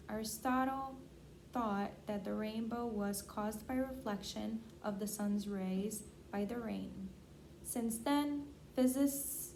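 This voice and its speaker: A woman with a mellow, mid-pitched voice responds and reads as a client in an assessment. Her delivery is plain, and a little noise sits behind her. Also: creaky, low-quality recording. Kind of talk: short answers and reading a passage aloud.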